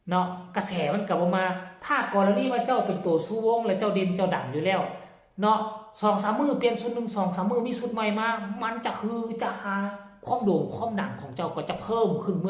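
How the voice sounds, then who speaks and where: A man with an Isan Thai accent hosting his channel, chatting casually and often addressing his viewers directly. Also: sits high. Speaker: channel host. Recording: roomy echo.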